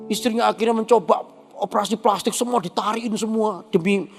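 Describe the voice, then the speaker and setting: A man preaching a sermon as pastor, in a humorous, animated storytelling way full of asides. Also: sits high, brisk, creaky, slightly rough, in a large hall, soft background music.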